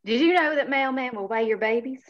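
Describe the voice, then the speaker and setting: A woman's voice: high voice, a little fast, lo-fi sound, lightly acted. A woman reading a chatty, welcoming small-town family woman at a screenplay table read, folksy in manner. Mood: teasing.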